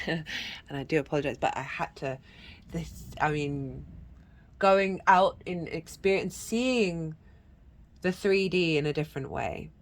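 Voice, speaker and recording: Woman, tarot reader, congested, somewhat low voice, earnest, rambling, frequent restarts. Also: unhurried, long pauses. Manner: meandering, earnest, many restarts; breaks into chanted channelled syllables. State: congested from a cold. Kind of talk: channelled tarot reading.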